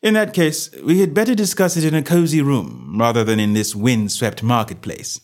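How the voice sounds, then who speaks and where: A man voicing a calm, self-assured male detective with a bland, measured manner. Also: mid-range voice, pitched above the performer's own voice, lightly acted. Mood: cheery.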